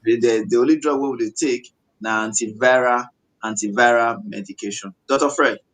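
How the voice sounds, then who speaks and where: A man with a West African accent teaches about health in Pidgin English at a middle pitch. His delivery is halting, with repeated phrases and little tags to check the listener follows. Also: a bit bright, low-quality recording. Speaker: medical doctor and co-host.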